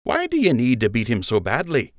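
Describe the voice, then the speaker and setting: A man's voice: mid-range voice, huge pitch swings, brisk, dry recording, studio quality, voice pushed up. A man voicing a playful, smirking young male rabbit who teases his friend in an audiobook. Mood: teasing. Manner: wry, smirking, playful teasing. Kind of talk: audiobook character voice.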